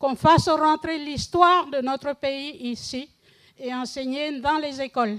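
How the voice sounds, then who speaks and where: Fairly slow, with fairly even intonation, the voice sounds dry and close with no echo. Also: woman. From New Caledonia (Kanak). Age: 70s. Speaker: audience member. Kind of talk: question and answer at a public lecture. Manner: halting, many hesitations.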